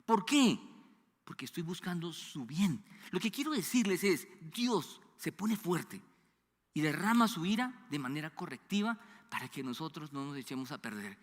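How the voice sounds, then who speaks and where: Man in his fifties, Colombian Bogotá accent, animated sermon, questions to the congregation, long hall reverb. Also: normal speed. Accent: Colombian Spanish (Bogotá). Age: 50s. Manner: animated preaching, questions to the congregation, sudden drops to a low hushed voice. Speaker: pastor. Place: church sanctuary.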